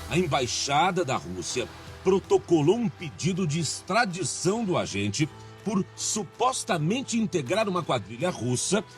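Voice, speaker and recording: Lively Brazilian male news reporter. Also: fairly high pitch, over music. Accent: Brazilian Portuguese. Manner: measured, emphatic reporter delivery. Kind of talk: scripted news narration and street interviews.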